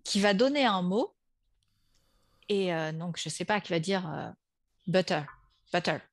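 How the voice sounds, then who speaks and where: Woman, interview host, language teacher, lively, dry close sound. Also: fairly low pitch, measured pace, dry recording. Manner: lively, animated when acting out examples. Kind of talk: interview conversation.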